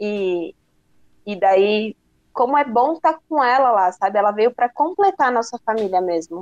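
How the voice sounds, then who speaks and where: A woman with a plain, everyday voice speaks at a moderate pace in a fairly high pitch. The sound is dry and close, with no echo. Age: 30s. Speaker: graphic designer and mother. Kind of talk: interview. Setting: remote call.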